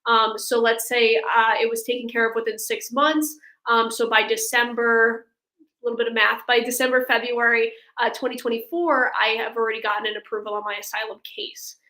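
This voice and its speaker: A woman's voice: on the high side, little pitch movement, a little fast, sharp tone, low-quality recording. A woman speaking as an immigration attorney, explaining legal steps conversationally, point by point, in a question-and-answer session. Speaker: immigration attorney, guest expert.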